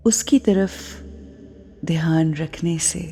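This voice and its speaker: A woman guiding a spiritual meditation in a calm, deliberate manner, with short phrases, long pauses and soft, breathy phrase endings. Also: low-pitched. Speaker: guided meditation teacher. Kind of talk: slow spoken guided meditation with spiritual reflections. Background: meditation music.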